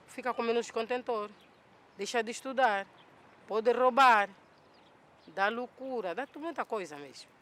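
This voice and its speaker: A man speaking in a documentary interview, animated and piling up lists and repetitions. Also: extremely high pitch, unhurried, long pauses.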